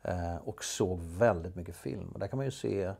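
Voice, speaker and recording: This actor's voice sits low, mellow with a breathy edge and some vocal fry. As an interview guest telling casual stories, he hesitates, using many fillers and starting sentences over.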